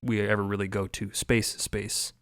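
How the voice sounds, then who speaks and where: A man's voice: on the low side, flat delivery, moderate pace, fairly bright tone, dry recording, studio quality. A man speaking emphatically and articulately in a roundtable discussion, with elaborate phrasing, as a podcast creator.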